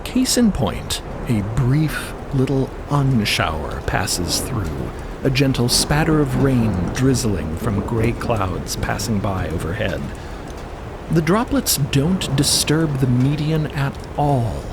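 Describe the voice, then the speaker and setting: A man delivering scripted, measured story narration, with clear ambient noise behind him. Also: medium pitch, big pitch swings.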